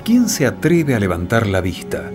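Expressive male narrator with sweeping intonation. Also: lowish voice, normal speed. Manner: solemn, expressive. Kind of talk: poetic, dramatic scripted narration. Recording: loud music with rain and thunder. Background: loud music, rain, thunder.

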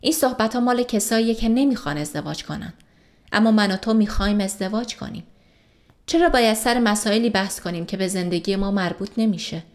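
A woman reading the lines of a serious, caring male doctor in an audio story, keeping a gentle, steady, reassuring manner. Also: medium pitch, natural voice. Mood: earnest.

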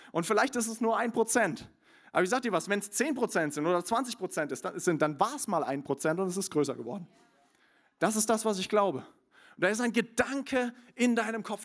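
Young guy preaching, high voice, goes quiet and chatty then loud and punchy, lots of ums. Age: young adult. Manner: shifts between soft confiding asides and loud emphatic preaching; many fillers and restarts. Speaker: pastor. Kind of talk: sermon.

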